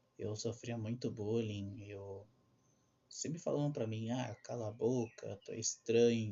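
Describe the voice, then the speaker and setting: A soft-spoken man talks at a very slow pace, his voice somewhat breathy. His intonation stays fairly even. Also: medium pitch for a man. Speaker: vtuber. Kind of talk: personal vent monologue.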